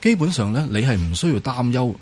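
A man with a Hong Kong Cantonese accent giving modest, explanatory answers as an interview guest, with hesitant pauses. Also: medium pitch, big pitch swings, darkish tone. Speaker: interview guest, former tech company employee. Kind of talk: casual interview talk.

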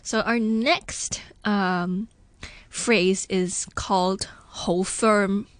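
A woman's voice: mid-range voice, fairly even intonation, extremely slow, no echo. A young woman guest on a radio chat, explaining slang in an agreeable, matter-of-fact way. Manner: explanatory, agreeable, many short yeses.

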